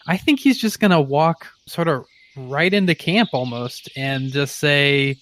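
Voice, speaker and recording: A man's voice: a little high, animated, a little slow, a bit bright. A man talking casually as a player in a tabletop role-playing game, describing his character.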